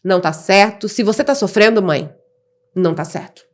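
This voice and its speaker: A woman's voice: mid-range voice, normal speed. Outspoken Brazilian woman telling her story. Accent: Brazilian Portuguese. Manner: outspoken, impassioned, blunt. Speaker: guest, mother of an autistic child. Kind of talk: emotional storytelling in a podcast interview.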